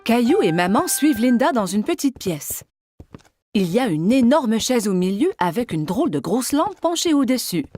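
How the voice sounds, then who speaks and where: A woman's voice: fairly high pitch, sing-song, normal speed, dark tone, faint music behind. A woman narrating a scripted story for children.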